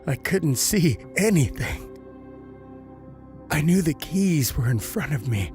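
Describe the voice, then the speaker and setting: An actor playing a terrified male prisoner in a horror audio drama, brooding and halting as he recounts solitary torment and slips into panic. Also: on the high side, darkish tone. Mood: shaken. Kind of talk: first-person horror audio drama narration. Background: music.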